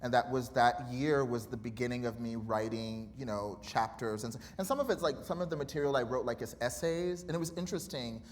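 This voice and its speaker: A man's voice: mid-range voice, fairly quick, hardly any pauses. A man in his thirties, an author guest in a live interview, talking candidly and animatedly, laughing often and acting out remembered conversations. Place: college auditorium. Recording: reverberant hall with faint noise.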